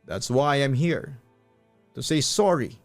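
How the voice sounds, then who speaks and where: A man's voice: medium pitch, faint music behind. A man playing a desperate, apologetic cheating husband. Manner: pleading, drawn-out English phrases mixed with Tagalog.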